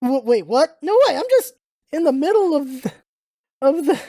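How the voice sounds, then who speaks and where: A woman's voice: high voice, animated, normal speed, mellow, no echo, clean studio sound, voice pushed up. A woman playing an easygoing, reluctant but kind soldier in a story reading, talking in casual, slightly hesitant slang.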